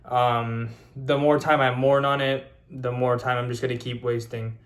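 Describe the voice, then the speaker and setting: A man's voice: mid-range voice, little pitch movement, normal speed. A man of twenty talking casually to camera in a vlog, rambling with many fillers and restarts. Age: 20s. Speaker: YouTuber.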